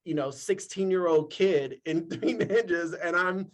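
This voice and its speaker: A man in his forties chats as an interview guest, his voice sitting fairly high for a man. He talks with eager excitement and laughs easily. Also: measured pace. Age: 40s. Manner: excitable and animated, laughs often. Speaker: actor guest. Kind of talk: casual interview chat.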